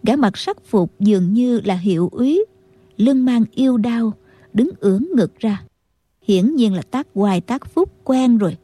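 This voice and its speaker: A woman narrating a martial-arts novel as an audiobook, in a steady storytelling manner. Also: fairly high pitch, a little slow, no room sound.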